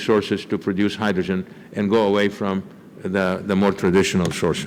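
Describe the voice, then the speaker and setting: At a fairly quick pace, a man with a fairly low pitch speaks amid audible room echo. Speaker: engineering professor. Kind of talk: conference lecture. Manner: fast; hesitant fillers.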